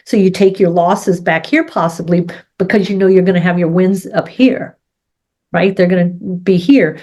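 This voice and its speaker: Mujer con resfriado hablando de negocios. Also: female voice, mid-range voice, a little mellow. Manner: explains with sports and farming examples, asks "right?". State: head cold. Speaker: co-host. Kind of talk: casual business chat.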